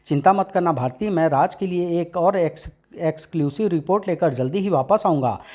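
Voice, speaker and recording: A man's voice: fairly high pitch, normal speed, a little mellow, close to an everyday voice. A man doing a bold young comic-book superhero. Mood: determined. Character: brave young male superhero, determined and bold.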